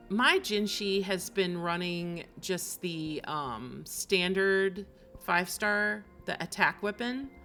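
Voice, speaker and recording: A woman streamer talks informally about her game in a bright, forward voice at a medium pitch. She is chatty and expressive but slow-paced, with faint music underneath. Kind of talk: casual livestream chat about games.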